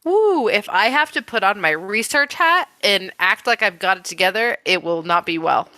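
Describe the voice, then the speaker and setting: A woman's voice: medium pitch, lively intonation, normal speed, sharp tone, no echo. A young woman co-hosting a casual podcast chat, nasal and blunt, teasing with plenty of swearing. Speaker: podcast co-host.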